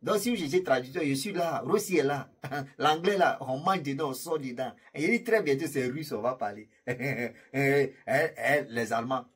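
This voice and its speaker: A man tells a story to his channel's viewers in a loose, rambling way, turning to the audience and joking between points. His voice is heavily husky, almost raspy, and sits at an ordinary male pitch. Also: normal speed. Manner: chatty and rambling, laughing at his own jokes, addressing viewers directly. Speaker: YouTube storyteller. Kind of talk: casual spoken storytelling to viewers.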